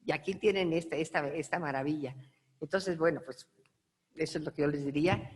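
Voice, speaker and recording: A woman's voice: sits low, a little fast, darkish tone. Mexican woman speaking in a reverberant hall. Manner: conversational, checks in with the audience. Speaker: book author at a presentation. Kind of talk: spoken remarks at a book presentation.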